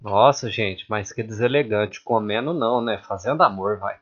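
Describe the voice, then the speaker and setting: A man's voice: on the low side, moderate pace, a bit bright, highs cut off. A man hosting a reaction channel, cutting in with joking, ironic comments over the clip.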